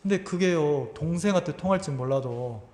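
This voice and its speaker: A male pastor preaching a sermon, animated, often asking the congregation questions. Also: on the high side, normal speed. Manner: animated, asks the congregation questions, acts out quotes. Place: church sanctuary. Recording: reverberant church hall.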